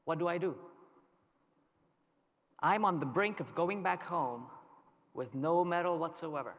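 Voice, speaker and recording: A man from Lebanon giving a conference keynote, telling a story in a measured way with dramatic pauses. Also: on the high side, a bit bright. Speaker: keynote speaker. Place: large conference hall. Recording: long reverb of a large hall.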